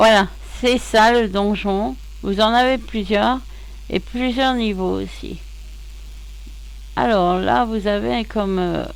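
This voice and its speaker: A woman speaks at a very slow pace with long, frequent pauses, amid audible room echo. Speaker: gaming youtuber. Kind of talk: tutorial. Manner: casual.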